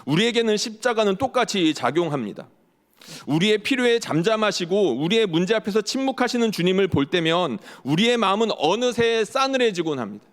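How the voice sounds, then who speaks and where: A fairly high-voiced man preaches a Sunday sermon from the pulpit, pressing his point with rhetorical questions. His voice rings out with a long reverberant tail in a church sanctuary. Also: very animated, fairly quick. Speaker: pastor.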